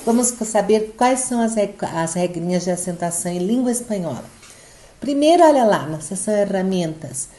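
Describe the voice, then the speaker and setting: A woman teacher with a Brazilian Portuguese accent walks students through a recorded lesson, step by step. Her voice is mellow and relaxed, at a middle pitch. She keeps checking that everyone is following along. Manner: patient, explaining step by step with frequent "tá?" checks. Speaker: Spanish teacher.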